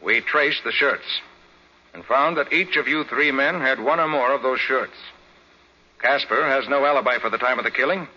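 An actor playing a shrewd, commanding private detective, brisk and authoritative, in 1940s radio drama style. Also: male voice, medium pitch, bright, forceful tone. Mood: commanding, expository. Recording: dull 1940s radio recording.

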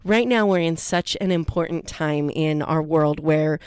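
Podcast host, female, chatty and upbeat, lower voice, dry close recording. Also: unhurried, a little mellow, clean tone, no room sound. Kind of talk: casual interview.

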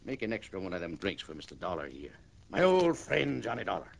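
A man's voice: sits low, very animated, fairly quick, creaky, noisy background, full character voice. An actor playing a middle-aged gangster boss in a 1960s radio drama, with a mocking, falsely friendly manner and a chuckle behind his words. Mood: smooth menace.

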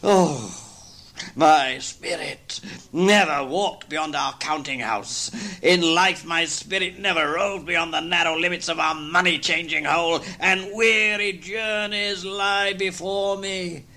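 A man's voice: sits high, sharp tone, voice pushed up, full character voice. A man voicing Marley's wailing, chained ghost. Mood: mournful. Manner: wailing, drawn-out, theatrical delivery. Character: Marley's ghost, a wailing, chained, remorseful old male spirit.

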